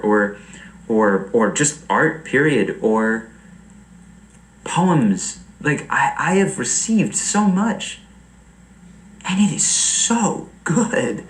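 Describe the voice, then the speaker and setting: A young man chatting casually on a livestream, rambling and animated, laughing often. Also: a little high, slow, reverberant, a little hiss or hum, low-quality recording. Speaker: streamer.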